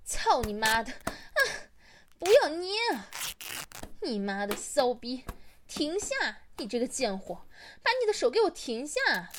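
A woman's voice: high voice, big pitch swings, measured pace, a little hiss or hum. A woman voicing a foul-mouthed young woman in a catfight, taunting and cursing in an amateur audio role-play. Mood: angry.

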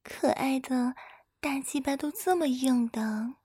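A woman with a high voice speaks slowly in a breathy, soft whisper, coaxing and close to the microphone. Her voice is dry, with no room around it. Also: no room sound. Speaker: roleplay performer voicing an older-sister persona. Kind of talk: intimate whispered ASMR roleplay.

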